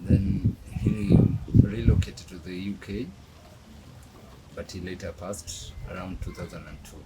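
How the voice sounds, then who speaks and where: A middle-aged man from Kenya answers questions in a casual interview, pausing often and speaking softly. His voice sits fairly low, and there is clear background noise behind him. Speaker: guest.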